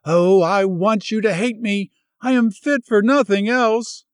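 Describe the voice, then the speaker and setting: A feverish, distraught young woman, voiced by a male reader, pleading in a high, wildly rising voice. The tone is smooth and the sound dry. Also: expressive, a little slow, no echo. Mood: frantic. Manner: desperate, pleading.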